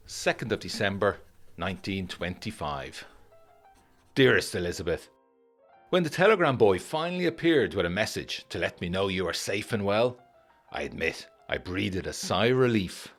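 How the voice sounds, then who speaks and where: An actor playing a haunted, introspective 1920s gentleman and former army captain, reading a letter in a formal, measured, grave way in a gothic audio drama. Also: lowish voice, very animated, faint music behind. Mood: relieved, tender.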